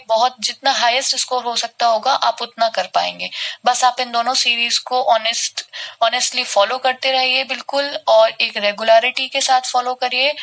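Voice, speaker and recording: A woman's voice: a little high, pushed and bright. A woman teaching reasoning for an exam, explaining step by step, mixing in English terms and often checking in with her students. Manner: mixes English terms into Hindi. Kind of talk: online exam-prep lesson.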